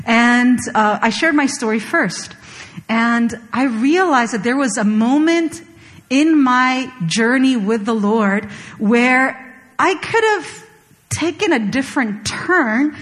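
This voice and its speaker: A young woman from Chile gives a sermon in an easy, conversational way, full of "you know" and "like" and acted-out moments from her own story. Her voice sits a little high. It carries a long reverb, as in a church hall. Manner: conversational, animated storytelling with fillers. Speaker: pastor.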